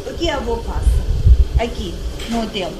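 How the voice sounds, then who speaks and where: A woman casually explaining things on location in quick, short phrases as a helper for a refugee family. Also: a little high, lively intonation, heavy background noise.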